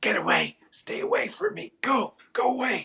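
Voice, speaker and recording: A raspy, whispered put-on character voice at a moderate pace. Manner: hissing, frightened.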